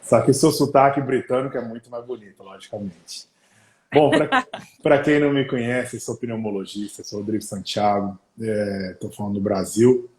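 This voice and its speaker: A man's voice: medium pitch, expressive, moderate pace, echoey room. A man in his thirties with a countryside São Paulo accent, chatting casually as a doctor on a live stream, friendly and rambling with lots of fillers. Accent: São Paulo countryside (caipira). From interior of São Paulo state, Brazil. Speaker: pulmonologist guest on a live stream. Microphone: headset.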